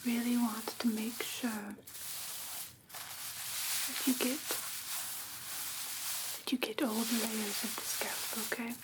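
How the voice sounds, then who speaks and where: A gentle female vampire teacher a woman in ASMR roleplay leads her class in a breathy whisper. Her voice sits slightly high and stays soft and patient. Clear background noise runs beneath the whispering. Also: level tone. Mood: gentle, instructive. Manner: soft, patient, unhurried instructing.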